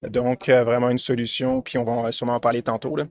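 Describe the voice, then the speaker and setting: A man's voice: medium pitch, flat delivery. A man from France with a mixed French and Québécois accent, a guest answering interview questions, with lots of fillers and restarts. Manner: fast, filler-heavy, many restarts. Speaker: sales director, guest.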